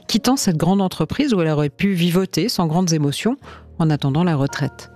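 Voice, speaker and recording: A woman radio reporter narrating a scripted portrait in a calm, measured storytelling manner. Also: low voice.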